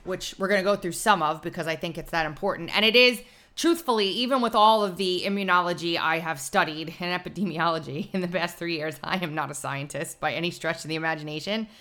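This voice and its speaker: A woman's voice: lowish voice, quick pace, fairly bright tone. A woman co-hosting a casual live talk show, reading aloud and explaining in an informal way. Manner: informal, explanatory, laughs easily.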